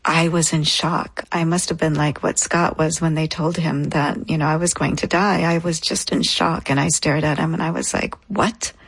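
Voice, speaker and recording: Woman in her thirties, interview guest; earnest, reflective storyteller, slightly low and husky, close dry mic. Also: steady tone, normal speed, few pauses, no room sound. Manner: earnest, reflective, speaks in short phrases.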